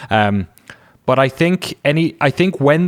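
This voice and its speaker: Here a man speaks with an Irish accent. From southeast Ireland. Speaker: documentary producer on game development. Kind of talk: interview conversation. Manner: halting, with many restarts and fillers.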